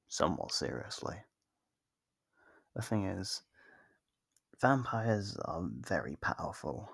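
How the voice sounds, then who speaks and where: A performer voicing a teasing, condescending, possessive vampire in an ASMR roleplay, slow and smug with a husky voice. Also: sits low, no room sound, studio quality, heavily acted. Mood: coolly skeptical.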